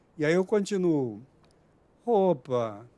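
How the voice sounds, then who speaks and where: The man's pitch moves through very wide swings. His tone is dark and mellow. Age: 60s. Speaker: advertising executive. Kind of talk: casual chat.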